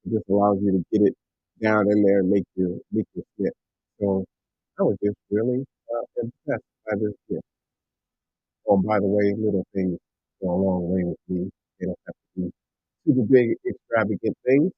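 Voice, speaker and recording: A man's voice: fairly low pitch, fairly even intonation, normal speed, breathy edge, dry recording. A middle-aged man hosting a podcast in casual, rambling talk, his voice coming through tinny and muffled, like inside a tin can. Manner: rambling, with many fillers and restarts. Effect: tinny sound, like talking inside a tin can. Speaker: podcast host. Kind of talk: casual chat. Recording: tinny, muffled, phone-like dry sound.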